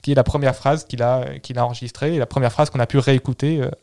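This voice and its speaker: A man at an ordinary middle pitch tells history in easygoing conversation. He explains at length and often doubles back on his words while he thinks. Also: steady tone, quick pace, a little mellow. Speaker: podcast co-host telling history. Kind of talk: casual history chat.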